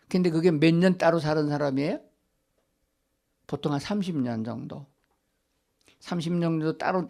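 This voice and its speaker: A man's voice: fairly high pitch, darkish tone. An older man preaching a Sunday sermon in a church, asking the congregation questions and answering them himself. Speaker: pastor. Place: church sanctuary.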